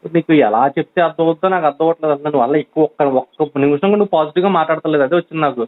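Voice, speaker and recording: Man pleading fast over a phone line. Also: a little high. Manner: pleading, insistent, rapid reasoning with many restarts. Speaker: friend on a phone call. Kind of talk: urgent pleading phone conversation. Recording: tinny phone line recording.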